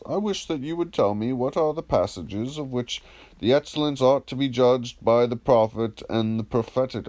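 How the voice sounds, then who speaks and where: Male reader as probing male philosopher, deep mellow voice, measured, questioning, gently ironic, scripted classical dialogue.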